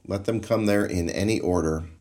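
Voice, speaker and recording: A man leading a guided Christian meditation in a calm, soothing, measured way. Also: low voice.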